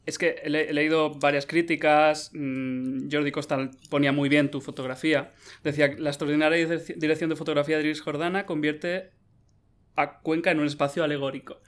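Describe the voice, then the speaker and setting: A man's voice: fairly high pitch, steady tone, a little fast. A man from La Mancha with an accent from Spain, conducting a conversational film interview as the interviewer.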